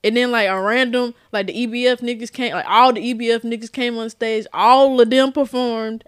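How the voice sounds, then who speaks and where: A woman with a somewhat high voice speaks in African American English, casually and bluntly, with plenty of slang and swearing. The sound is very dry, with no room echo, as she chats as a guest in an interview. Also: steady tone, fairly quick, smooth. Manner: slangy, frank, freely swearing. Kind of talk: casual chat.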